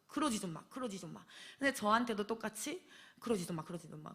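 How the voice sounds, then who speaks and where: A young woman shares a personal testimony at an evening church service, speaking at an ordinary, middle pitch for a woman. She tells her story in a lively way, acting out the voices she quotes and laughing often as she goes. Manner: animated storyteller who acts out quoted voices. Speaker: church staff member giving testimony.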